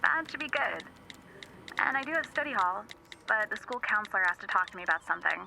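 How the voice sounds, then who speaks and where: A woman's voice: mid-range voice, lively intonation, a little fast, vocal fry, sharp tone, exaggerated voice. A woman playing a wry, slightly puzzled teenage student in an audio drama, against a noisy ambient background.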